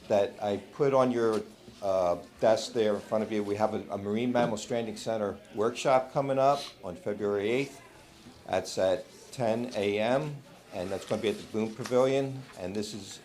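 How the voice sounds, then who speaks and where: Earnest New Jersey green-group volunteer, lowish voice, fillers throughout. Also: male voice, darkish tone. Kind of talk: public comment presentation.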